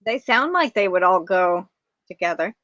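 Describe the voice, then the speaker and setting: A woman's voice: lowish voice, lively intonation, moderate pace, fairly bright tone, no echo. A woman hosting a casual livestream, chatty, greeting viewers and reading the chat aloud. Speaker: livestream host. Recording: dull, dry stream audio.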